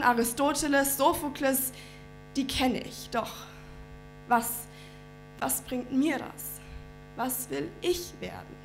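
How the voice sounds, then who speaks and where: A young woman performing a rhymed slam poem on a small indoor stage at a stand mic, earnest and rhythmic, sometimes sinking to a near-whisper. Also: high voice. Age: young adult. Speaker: slam poet. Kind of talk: rhymed spoken-word performance.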